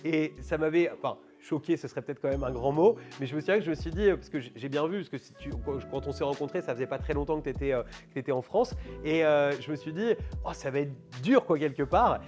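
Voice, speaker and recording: A man's voice: on the high side, fast talker, hardly any pauses, a little mellow, soft background music. A man hosting an interview, talking in long, rambling turns. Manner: rambling, full of fillers and restarts. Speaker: host. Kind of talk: casual interview chat.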